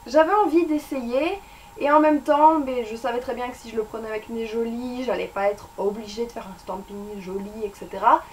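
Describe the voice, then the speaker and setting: A woman's voice: sits high, a little mellow, distant mic, a little hiss or hum, low-quality recording. A young woman chatting casually as a beauty vlogger, reviewing her monthly favorites with lots of fillers and restarts, recorded indoors at home.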